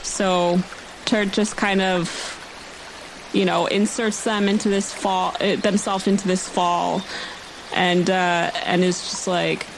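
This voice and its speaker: A woman playing a tabletop game, describing an imagined scene casually with pauses between phrases. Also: lowish voice, flat delivery, gravelly, background noise. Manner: hesitant, pausing between phrases.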